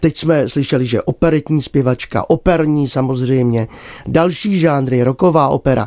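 In an ordinary speaking voice, a man talks at a fairly high pitch and a moderate pace with ordinary pitch variation and very even loudness, in a dry, close sound with no echo. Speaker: radio host. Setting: radio studio.

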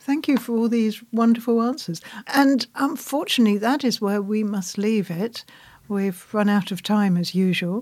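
Delivered at a moderate pace with ordinary pitch variation, the speech sits in a very clean recording with a silent background. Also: woman. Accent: English. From England. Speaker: podcast host. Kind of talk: interview.

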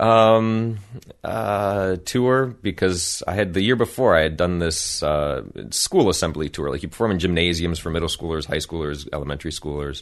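A man with a General American accent, very deep and low in pitch, lively intonation, moderate pace, noticeable background noise. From Cleveland, Ohio, then Arizona. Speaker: stand-up comedian living in Poland. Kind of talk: casual interview chat. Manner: rambling, candid, profane.

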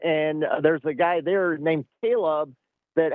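A man speaks at a moderate pace with a fairly high pitch, the sound dry and close with no echo.

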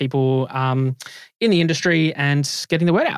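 A man speaks in an Australian accent at a fairly quick pace. The sound is dry and close with no echo, in a very clean recording with a silent background. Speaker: healthtech community founder and podcast host. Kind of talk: casual chat. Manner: animated.

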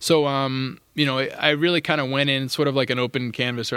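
With an American accent, a man talks at a fairly quick pace, his medium pitch held in fairly even intonation. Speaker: nonprofit executive director. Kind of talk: interview. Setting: studio. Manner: frequent fillers and self-corrections.

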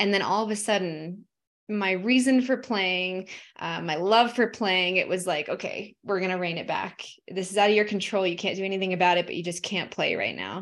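A woman with an American accent has an unremarkable speaking voice, medium pitch and fairly even intonation, talking at a fairly quick pace in a very clean recording with a silent background. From Montana, US. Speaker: mental performance coach. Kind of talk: interview conversation.

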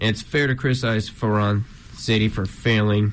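The voice is an unremarkable speaking voice at a moderate pace. Its intonation stays fairly even. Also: man. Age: 20s. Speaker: college radio sports co-host. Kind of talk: casual sports talk.

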